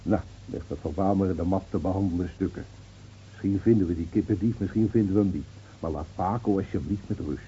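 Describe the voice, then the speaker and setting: An actor playing a placid, wry, world-weary village gendarme reasoning soothingly in a radio play. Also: male voice, sits low, fast, mellow, a little hiss or hum, close to an everyday voice. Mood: tolerant, persuasive. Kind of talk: Dutch radio play acting. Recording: dull, muffled old radio recording.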